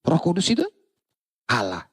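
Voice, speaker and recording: A man's voice: fairly high pitch, wildly swooping pitch, normal speed, fairly bright tone, breathy edge, no echo. A man in a heated online religious debate, preaching and quoting scripture while talking over others.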